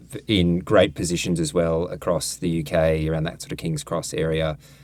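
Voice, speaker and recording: Over a silent background in a very clean recording, a man with an Australian accent talks at a moderate pace in a very deep, low voice. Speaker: company founder, guest co-host. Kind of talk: casual podcast conversation.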